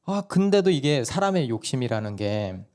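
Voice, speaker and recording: A hoarse male pastor giving a sermon at a church service, telling stories and asking the congregation questions. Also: medium pitch, very animated, normal speed, mellow. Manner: conversational storytelling, asks the congregation questions.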